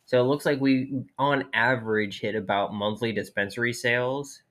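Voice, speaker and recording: A woman co-hosting a casual home podcast, reading out statistics haltingly with many fillers and swearing casually, her voice a bit worn. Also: a bass voice, steady tone, a bit bright. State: losing her voice. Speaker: podcast co-host. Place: home, cats moving around.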